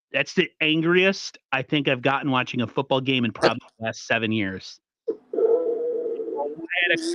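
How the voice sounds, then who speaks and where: A man hosting a casual sports podcast, talking in an animated, rambling way with frequent restarts. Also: medium pitch, dry recording, highs cut off. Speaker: podcast host.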